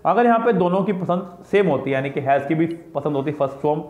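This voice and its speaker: A man's voice: fairly high pitch, animated, brisk. A man teaching an exam-prep grammar lesson, explaining each answer step by step and repeating his own questions and answers. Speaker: English teacher. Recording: roomy, dull lo-fi sound.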